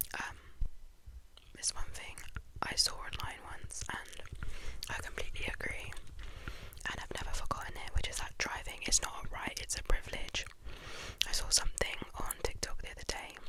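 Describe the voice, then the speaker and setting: A woman whispers at a moderate pace with long, frequent pauses, and there is noticeable background noise. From London, UK. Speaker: ASMR creator. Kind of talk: casual talk to camera, ASMR ramble. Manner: whispered, soft, chatty.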